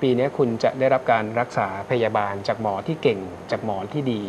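A man's voice: mid-range voice, a little fast, highs cut off, background noise. A man hosting a live call-in astrology show, reassuring callers and repeating his key points. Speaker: astrologer host. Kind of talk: live call-in fortune reading.

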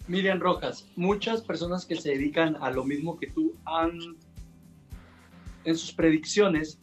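A man's voice: fairly high pitch, measured pace, soft background music. Podcast host man with a headset mic. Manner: asks short probing questions. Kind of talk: interview host.

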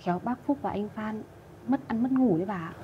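A woman's voice: medium pitch, a little fast, narrow, tinny audio, slight background noise, close to an everyday voice. An actress playing a polite young woman, speaking deferentially to an elderly woman. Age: young adult. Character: polite young woman caring for her fiancé's grandmother. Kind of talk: TV drama acting.

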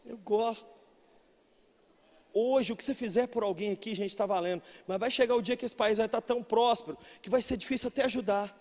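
A Brazilian man with a Brazilian Portuguese accent preaching a sermon as pastor, emphatic, breaking into shouts and then dropping low. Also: a little fast. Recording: long reverb of a large hall.

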